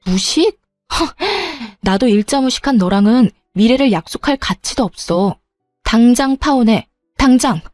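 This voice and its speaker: An angry young bride-to-be, voiced by a woman narrator speaks sharply and with heat. Her timbre is mellow and warm. The recording is dry and close. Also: on the high side, moderate pace, no room sound, soft background music, natural voice. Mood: furious. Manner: sharp, heated.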